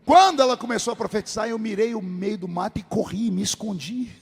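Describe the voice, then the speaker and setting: A male pastor telling a comic personal story in a sermon, animated and lively, in a large church hall. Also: high-pitched, brisk, vocal fry, slightly rough. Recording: long hall reverb.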